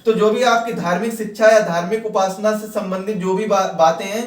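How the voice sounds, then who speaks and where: High-voiced man teaching, roomy and distant. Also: steady tone, brisk. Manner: repetitive, rephrasing points step by step; mixes English terms into speech. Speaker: exam-prep teacher. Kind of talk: explanatory lecture for exam students. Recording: roomy echo, distant from mic.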